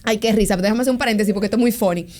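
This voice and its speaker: A woman, a podcast guest telling her faith story in a slangy, lively way with many repeated words. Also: medium pitch, racing. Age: 40s. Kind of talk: personal faith testimony in casual chat.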